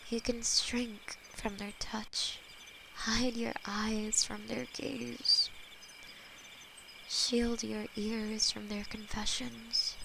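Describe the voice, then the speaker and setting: A woman voicing a possessive, tender female demon lover, whispering softly and haltingly in an audio roleplay. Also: fairly high pitch, gravelly, heavily acted, rough recording. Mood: devoted. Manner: soft intimate whispering, halting. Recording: steady cricket and night noise behind.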